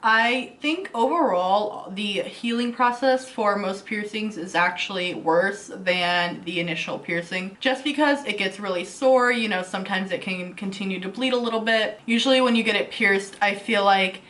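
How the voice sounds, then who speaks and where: A woman's voice: medium pitch, normal speed, few pauses, a bit bright. A young woman in her twenties from the United States with a slight lisp, chatting casually to camera as a vlogger and answering viewer questions. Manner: chatty and easygoing, many fillers like "like" and "you know". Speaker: beauty and lifestyle vlogger.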